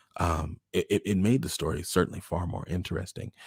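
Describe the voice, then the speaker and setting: A man with a very deep, low, somewhat breathy voice speaks at a moderate pace, with a dry, close sound, no echo, and a very clean recording with a silent background. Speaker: storytelling livestream host. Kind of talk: casual livestream chat after reading aloud. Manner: hesitant, many fillers.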